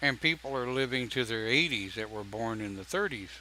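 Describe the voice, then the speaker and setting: A man speaks at a moderate pace in a bright, sharp tone, his pitch varying in an ordinary way. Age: 50s. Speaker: pagan church chat host. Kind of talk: casual talk show monologue. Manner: conversational, casual.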